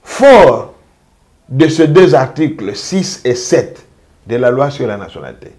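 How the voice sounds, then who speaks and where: A man speaking as a jurist gives an interview. His voice sits at an ordinary middle pitch. He builds a deliberate, emphatic argument, stressing each point and repeating it. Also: big pitch swings, darkish tone. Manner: emphatic, measured legal argument with deliberate repetition. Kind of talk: interview commentary.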